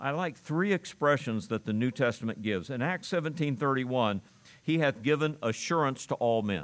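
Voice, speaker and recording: A man with an American accent talks at a fairly quick pace in an unremarkable speaking voice, medium in pitch, with lively intonation. The recording is very clean with a silent background. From US Midwest, Ohio. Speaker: pastor. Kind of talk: sermon. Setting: church.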